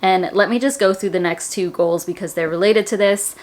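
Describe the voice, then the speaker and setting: A woman's voice: medium pitch, fairly even intonation, fairly quick. A woman, chatting casually to her viewers about her personal finance goals, rambling with lots of "like"s. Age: 30s. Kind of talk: casual chat to camera.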